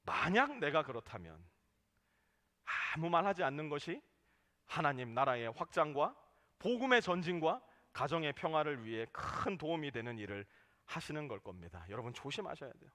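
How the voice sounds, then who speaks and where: Guy pastor preaching, high lively voice, acts out church folks, echoey church hall. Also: normal speed. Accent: Korean. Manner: animated preaching, acts out quoted church members. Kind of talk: sermon. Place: church sanctuary. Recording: long hall reverb.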